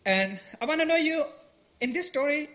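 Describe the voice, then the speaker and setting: A woman's voice: sits high, expressive, moderate pace, fairly bright tone. A woman in her twenties from Pakistan with a Pakistani accent, giving a church testimony in simple, broken English full of fillers. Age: 20s. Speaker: guest speaker giving testimony.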